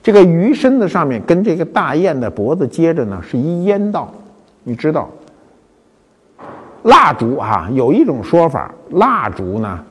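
Lively older man, husky voice. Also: a little high, measured pace, long reverb tail. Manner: lively storytelling with wry asides. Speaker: host of a web talk show. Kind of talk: casual spoken lecture on antiques.

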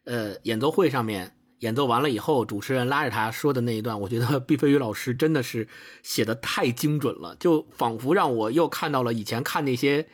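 A man's voice: fairly quick, hardly any pauses, breathy edge. A man co-hosting a book discussion podcast, talking casually and reading a novel passage aloud with expression. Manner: expressive reading, animated pitch. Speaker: podcast co-host.

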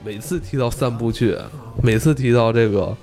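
A man, co-hosting a podcast in a relaxed, chatty way with mild swearing. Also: medium pitch, normal speed, faint music behind. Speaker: podcast co-host. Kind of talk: casual podcast chat.

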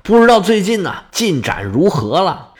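A man storyteller voicing a shrewd young male schemer who flatters and hedges as he bargains. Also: high-pitched, moderate pace. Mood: coaxing.

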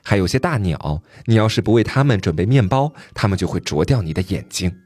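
A man voicing a talking white horse in a fairy tale, giving steady advice. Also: fairly low pitch, brisk, dry recording. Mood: calm advice. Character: talking white horse, calm wise helper. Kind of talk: storytelling podcast, retelling a tale.

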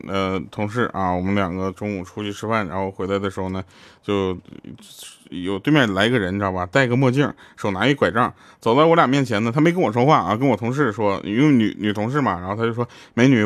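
A man hosting a casual comic show, telling funny workplace stories and jumping into high voices when he quotes people. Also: fast, no echo.

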